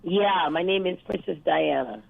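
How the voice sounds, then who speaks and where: A woman's voice: on the low side, normal speed, creaky. A woman from Uganda calling into a radio show, patiently repeating and spelling out her words. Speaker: caller. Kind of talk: phone-in chat. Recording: tinny phone line.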